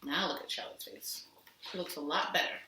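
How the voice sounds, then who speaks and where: A woman teacher giving an expressive storybook read-aloud for children, deliberate and with dramatic emphasis. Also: low voice, background noise. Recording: roomy echo, distant microphone.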